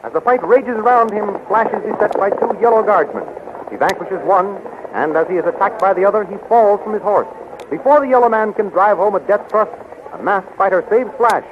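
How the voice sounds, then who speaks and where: A man's voice: sits high, lively intonation, moderate pace. A man narrating and announcing a radio serial in a dramatic, declamatory 1930s style. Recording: tinny, noisy 1930s radio recording.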